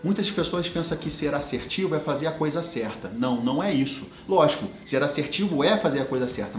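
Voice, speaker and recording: A man in his thirties, a business coach, giving a motivational talk to leaders and telling personal stories with lively quoted dialogue. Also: on the high side, reverberant.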